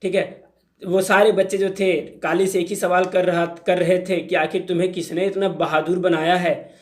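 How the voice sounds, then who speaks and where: Male tutor, high-pitched, slow careful reading then chatty explaining. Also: flat delivery. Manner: reads English text slowly, then explains in Hindi. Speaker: teacher. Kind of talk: explaining an English lesson in Hindi.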